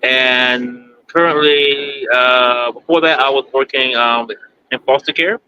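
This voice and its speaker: A man in his forties from Kentucky, a guest answering interview questions in a halting, plainspoken way with many pauses. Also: mid-range voice, fairly even intonation, bright, forceful tone, clean tone, no room sound. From United States, Kentucky. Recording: dull lo-fi sound, faint background noise.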